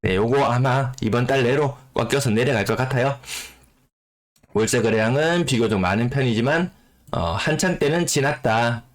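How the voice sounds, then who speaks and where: A man whose voice is rough from a cold, explaining housing market figures and repeating key phrases for emphasis. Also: medium pitch, moderate pace. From South Korea. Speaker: real estate YouTuber. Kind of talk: data commentary on the housing market.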